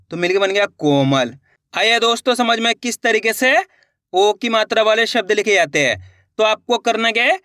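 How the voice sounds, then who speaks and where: Bright high-voiced man teaching slowly. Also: dry recording, clean studio sound. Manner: sounds out syllables, repeats words, asks and answers own questions. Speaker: Hindi reading teacher. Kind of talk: slow step-by-step lesson.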